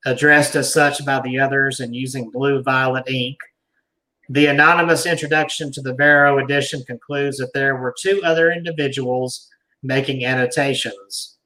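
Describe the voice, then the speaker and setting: A man hosting a talk, reading an article aloud deliberately, with emphatic pauses and asides like a storyteller. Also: medium pitch, sharp tone, poor audio.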